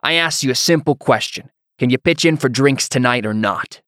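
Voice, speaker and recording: A man voicing a belligerent, hotheaded young laborer in a fantasy audiobook, mocking and blustering in rough colloquial speech. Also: medium pitch, moderate pace, a bit bright, no echo, clean studio sound, lightly acted. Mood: needling.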